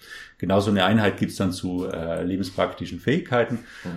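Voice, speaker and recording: In a South Tyrolean accent, a man talks at a fairly quick pace with fairly low pitch and fairly even intonation. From South Tyrol, Italy. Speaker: professor. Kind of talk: interview.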